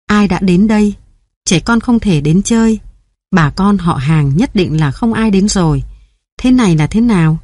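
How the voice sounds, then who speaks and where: A woman's voice: mid-range voice, expressive, moderate pace, a little mellow, dry recording, close to an everyday voice. Woman voicing a grieving old mother, wailing. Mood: bewildered. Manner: wailing, pleading, bewildered. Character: grieving old mother at her son's grave.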